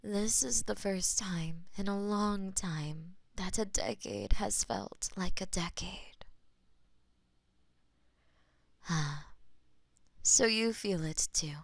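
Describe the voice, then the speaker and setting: Woman as death goddess, very slow delivery, close dry sound, breathy, possessive, tender, theatrical, romantic audio drama. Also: medium pitch, expressive, no room sound, exaggerated voice. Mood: intimate, reassuring. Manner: slow, breathy, theatrical, often dropping to whispers. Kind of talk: intimate romantic audio roleplay.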